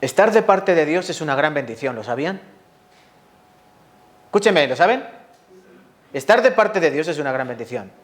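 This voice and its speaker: Preacher with a higher voice. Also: male voice, normal speed, pauses often. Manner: lively, asks the audience rhetorical questions, acts out quotes. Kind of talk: sermon.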